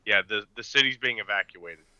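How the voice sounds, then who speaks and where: A man playing a polite, firm government agent with a formal, measured, diplomatic manner in a tabletop game. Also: lowish voice, muffled recording, crowd noise, natural voice. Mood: official, polite.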